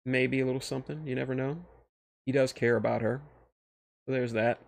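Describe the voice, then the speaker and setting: A man streaming casual commentary on his own fictional characters, halting and often restarting his phrases as he explains. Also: mid-range voice, level tone, vocal fry.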